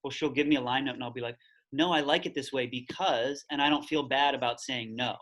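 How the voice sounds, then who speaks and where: A playwright talks fast on a video call, often acting out his own past remarks. He is quick to poke fun at himself. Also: medium pitch, steady tone, a bit bright, slight background noise. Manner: rapid, self-deprecating, quotes himself. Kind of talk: casual interview chat.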